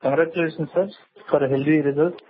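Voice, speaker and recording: A man's voice: fairly high pitch, steady tone, fast talker, slight background noise. A man, a caller on an earnings call who asks his question in a hesitant, deferential way with many fillers. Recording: phone-line call audio.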